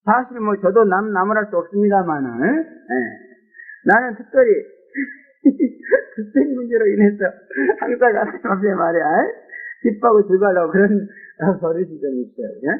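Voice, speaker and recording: A man preaching with a very high voice, emotive and exclaiming, often tossing rhetorical "eh?" asides at his listeners. The sound is thin and phone-like, as on an old lo-fi recording. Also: moderate pace, breathy edge. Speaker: pastor. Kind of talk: sermon.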